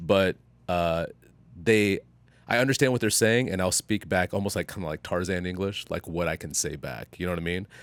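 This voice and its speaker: In a Texan accent, the speaker talks at a fairly quick pace with ordinary pitch variation, the sound dry and close with no echo in a very clean recording with a silent background. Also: man, very deep, low pitch for a man. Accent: Texan American English. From Texas, Dallas area. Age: 40s. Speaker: comedian. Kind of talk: casual chat. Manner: fast.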